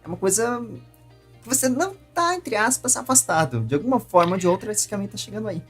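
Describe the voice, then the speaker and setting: A man's voice: sits high, lively intonation, fast, slightly rough, soft background music. A man hosting an interview in a conversational style, asking questions and commenting on the answers. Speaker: interview host.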